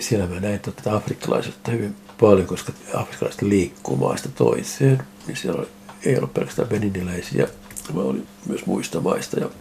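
An older male ceramic artist tells his stories with animated energy, acting out the exchanges he remembers. His voice sits low with a gravelly edge, over a faint background hiss. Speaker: ceramic artist interviewed about his photos. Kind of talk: casual storytelling interview.

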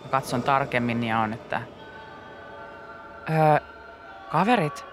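A woman hosting a radio morning show tells a spooky story during casual chat, delivering it dramatically and with suspense. She has an expressive bass voice, recorded in a radio studio with a music bed underneath.

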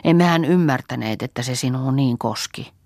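A woman's voice: rumbling low, darkish tone, dry recording. Tender, pleading young girl, remorseful voiced by a woman reader, dry.

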